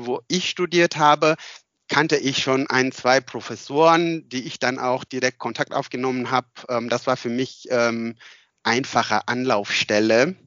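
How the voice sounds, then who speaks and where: A man from Turkey, appearing as a guest on a podcast, speaks hesitant non-native German with a Turkish accent, full of filler sounds and restarts in a casual interview. His mid-range voice is a bit bright, and the audio is dull with no room sound.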